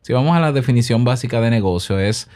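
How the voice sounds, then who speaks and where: A man's voice: mid-range voice, expressive, fast talker, darkish tone. A man from the Republic, hosting his own podcast in a chatty, self-promoting way with rhetorical questions. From Dominican Republic. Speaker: podcast host. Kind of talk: solo podcast monologue.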